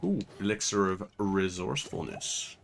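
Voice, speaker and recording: A man's voice: on the low side, lively intonation, moderate pace, gravelly, background noise. An Irish man giving casual, rambling commentary while playing a game, with lots of fillers. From Ireland. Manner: rambling, chatty, many fillers. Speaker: gaming channel host.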